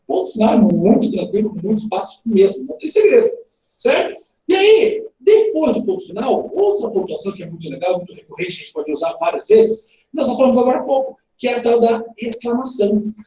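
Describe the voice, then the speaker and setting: A man teaching a recorded grammar lesson in a lively, playful way, quizzing his students with questions. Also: very high-pitched, a little hiss or hum. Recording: roomy echo, heard from a distance.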